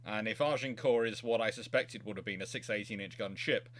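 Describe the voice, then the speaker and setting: A man hosting a casual history chat, talking in a halting way and often correcting himself mid-sentence. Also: fairly low pitch, a bit bright. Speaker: host, naval historian.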